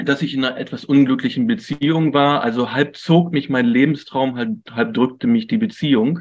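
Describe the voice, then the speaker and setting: In a normal speaking voice, a man talks with lively intonation. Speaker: traveller. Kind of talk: interview.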